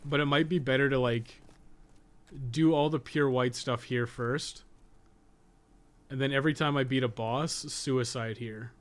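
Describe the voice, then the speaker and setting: A man's voice: mid-range voice, fairly even intonation, unhurried, pauses often. A man streaming a game, thinking aloud and chatting in a casual, rambling way, muttering to himself and swearing now and then.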